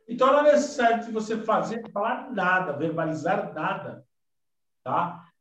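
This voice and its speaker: With audible room echo, a man speaks at a moderate pace in a high pitch with lively intonation. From Brazil, São Paulo. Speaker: psychotherapist and hypnosis teacher. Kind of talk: live webinar lecture and demonstration.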